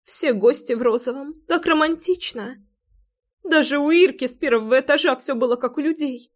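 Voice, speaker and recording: A fretful middle-aged mother who pleads and fusses, her voice lifting high. A woman narrator voices her in a spoken storybook. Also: normal speed, close to an everyday voice. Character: fussing, easily upset middle-aged mother.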